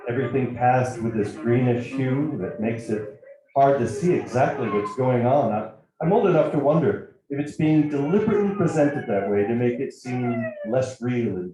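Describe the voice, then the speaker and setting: Man reading reflective prose in echoey room. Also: mid-range voice. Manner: measured, reflective reading of first-person prose. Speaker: actor reading a writer's piece. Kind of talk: literary reading at a live event. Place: bar event space, indoors. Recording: very echoey room, faint music.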